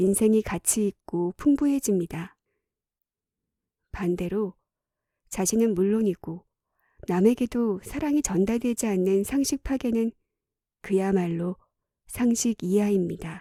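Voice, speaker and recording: A dark, mellow tone at a very slow pace, with long, frequent pauses and ordinary pitch variation, in a dry, close sound with no echo on a very clean recording with a silent background. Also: woman, medium pitch for a woman. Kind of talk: audiobook reading.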